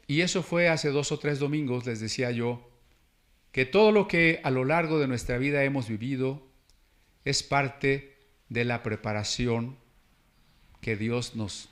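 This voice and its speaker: A man's voice: medium pitch, fairly bright tone. A middle-aged man, a pastor delivering a sermon in a conversational manner, with frequent rhetorical asides and personal stories.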